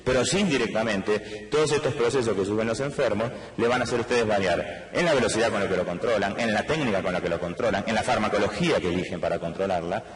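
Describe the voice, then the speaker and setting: Fast-talking Argentine man lecturing in a hall. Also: fairly low pitch. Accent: Argentine Spanish. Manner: explanatory, addresses audience directly with rhetorical questions. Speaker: anesthesiologist lecturer. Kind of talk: medical conference lecture. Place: large conference hall.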